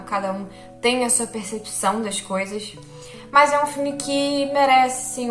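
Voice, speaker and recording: A woman's voice: fairly high pitch, fairly bright tone, reverberant. Chatty young woman reviewing a film. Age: young adult. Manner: chatty, self-deprecating, frequent "tá?" tags. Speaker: film vlogger.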